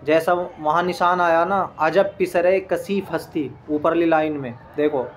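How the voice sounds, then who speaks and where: A man's voice: fairly high pitch, steady tone, a little slow. A man teaching a lesson. He reads each Persian phrase aloud, then patiently explains and translates it word by word, repeating key points.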